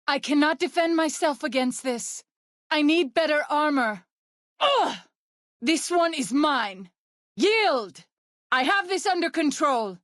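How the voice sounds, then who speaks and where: A woman voicing a gentle, earnest tribal healer in a video game, speaking in formal, measured phrases. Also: sits high, dry recording, clean studio sound, heavily acted. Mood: urgent, alarmed. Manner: formal, measured, careful phrasing without slang. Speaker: video game companion character and ending narrator. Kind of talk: scripted video game voice acting. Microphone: close studio microphone, dry.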